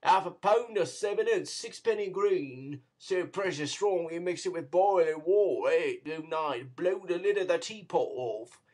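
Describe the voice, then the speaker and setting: A man's voice: high-pitched, lively intonation, unhurried, hardly any pauses, a little mellow. A man voicing an eager cheeky boy pickpocket. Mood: excited.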